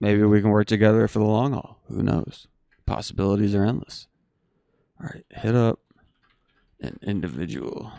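A man's fairly low, dark and mellow voice with an American accent, at a moderate pace, with ordinary pitch variation, big swings in loudness, long, frequent pauses, and a dry, close sound with no echo. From New Hampshire, US. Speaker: livestreamer and painter. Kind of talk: casual livestream chat. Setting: home studio livestream.

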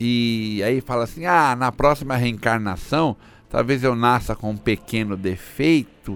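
At a fairly slow pace, a man talks in an ordinary speaking voice at medium pitch with ordinary pitch variation. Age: 50s. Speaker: pastor. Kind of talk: sermon.

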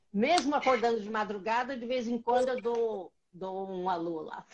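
A woman's plain, everyday voice, moderate in pace, with lively intonation. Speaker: journalist, US correspondent. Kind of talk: casual chat.

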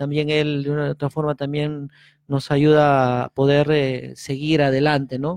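A man's fairly high-pitched, monotone, flat delivery at a fairly slow pace, with a dry, close sound and no echo. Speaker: school teacher. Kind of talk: casual interview talk.

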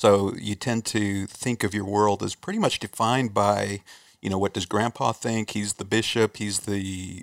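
A man with a plain, everyday voice, fairly low pitch, fairly slow pace and fairly even intonation, in a dry, close sound with no echo and a very clean recording with a silent background. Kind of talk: testimony.

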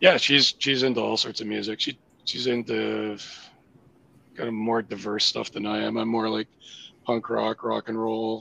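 With a western Canadian accent, a man speaks with long, frequent pauses. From Canada, Richmond near Vancouver. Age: 50s. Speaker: rock drummer. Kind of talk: casual chat.

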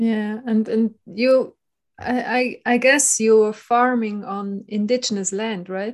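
The speech moves at a very slow pace in a monotone with flat intonation. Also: woman, fairly high pitch for a woman. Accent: non-native. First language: not English. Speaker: podcast host. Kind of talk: interview conversation. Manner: pausing, thoughtful pace.

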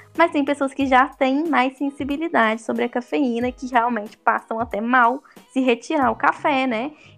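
Music plays in the background. The speaking pace is moderate, with ordinary pitch variation. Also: woman, high pitch for a woman. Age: 20s. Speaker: nutritionist. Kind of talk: podcast interview.

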